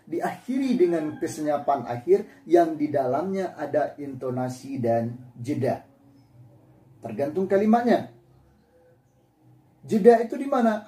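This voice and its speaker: In an echoey room, a man with a slightly high, warm voice gives a classroom language lecture. He explains things patiently and demonstrates intonation by saying example words again and again.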